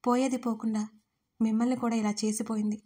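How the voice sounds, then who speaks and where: A woman's voice: fairly high pitch, level tone, brisk, mellow, husky. A woman voicing a tearful, desperate young woman in love, pleading in a crying voice in an audio story.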